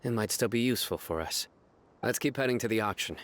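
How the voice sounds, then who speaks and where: An actor playing a grave, composed young male lawman in a video game, speaking in a serious, deliberate way. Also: lowish voice, lively intonation, fairly bright tone. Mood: calm, serious.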